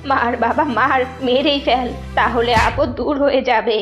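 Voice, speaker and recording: A woman's voice: a little high, fairly even intonation, moderate pace, lightly acted. A woman voicing a cruel, greedy mother-in-law fox in a children's cartoon, scolding and domineering, on a dull recording over music. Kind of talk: children's cartoon story voice acting.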